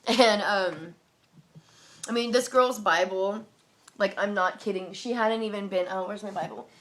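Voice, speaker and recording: A young adult woman talking casually to her viewers, rambling with many fillers and breaking into animated impressions. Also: medium pitch, measured pace, background noise. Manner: rambling, filler-heavy, animated, mimics people with loud barking sounds. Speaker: vlogger. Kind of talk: casual talk to camera.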